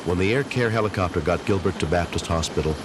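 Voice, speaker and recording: Deep grave male documentary narrator. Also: heavy background noise. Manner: grave, measured storytelling. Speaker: program narrator.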